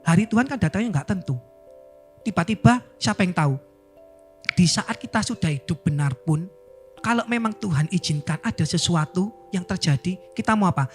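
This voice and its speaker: A man preaching a casual, chatty sermon at an evening prayer service and talking straight to the congregation. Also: high-pitched. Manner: chatty, addresses the congregation directly, mixes in Javanese phrases.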